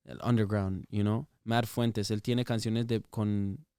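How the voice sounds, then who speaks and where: A man's voice: fairly low pitch, level tone, slow pace, dark tone, smooth, no echo, studio quality. A man from Toronto chatting casually as an interview guest, switching between Spanish and English. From Toronto, Canada. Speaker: guest music artist. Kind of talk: casual bilingual interview chat.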